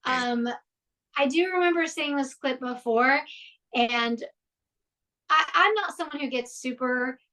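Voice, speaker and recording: Woman, Houston accent, high voice, chatty interview guest who rambles. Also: a little slow, pauses often, sharp tone. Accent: Houston, Texas. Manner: chatty, rambling with fillers and restarts. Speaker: voice actress, podcast guest. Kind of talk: casual interview chat.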